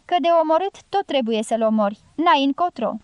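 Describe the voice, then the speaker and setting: A woman reading the part of a tipsy male gypsy guerrilla who keeps urging in a low, insistent voice. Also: lively intonation, no room sound, muffled recording. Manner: urgent low prodding, half-whispered.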